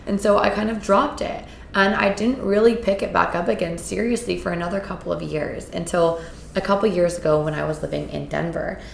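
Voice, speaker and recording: Woman host, hoarse from a cold, gravelly low voice, earnest and upbeat, roomy echo. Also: steady tone, a little fast, slight background noise. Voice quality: raspy. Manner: upbeat, earnest, with filler words. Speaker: podcast host. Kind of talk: casual solo podcast talk. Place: indoors in Costa Rica.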